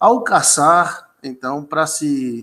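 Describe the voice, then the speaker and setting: Lively intonation and a bright, sharp tone mark this man's speech. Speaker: pastor answering viewer questions. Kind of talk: casual explanatory vlog answer. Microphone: webcam.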